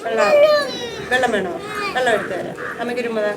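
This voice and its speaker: A high-pitched woman recording a home vlog, half coaxing and half scolding a small child. Her voice is caught on a phone camera, and loud background noise sits under every word. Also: wildly swooping pitch, fast, far from the mic. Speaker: mother and vlogger.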